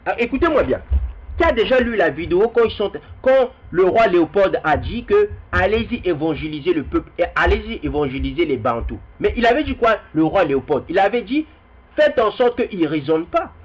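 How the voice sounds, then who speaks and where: Young guy, high voice, rambling video talk to his viewers, repeats himself a lot, muffled lo-fi sound. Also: very animated, brisk, husky. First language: Kikongo heritage language. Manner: rambling, repeats words, addresses viewers directly. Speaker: video commentator. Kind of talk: spoken video commentary with readings. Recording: dull lo-fi recording.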